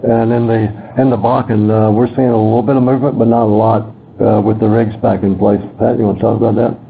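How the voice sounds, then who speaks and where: A man speaking as a company executive, giving plain-spoken, halting answers on a conference call. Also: on the low side, level tone, gravelly. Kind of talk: unscripted earnings call answers. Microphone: conference phone line. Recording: noisy phone-like conference call line.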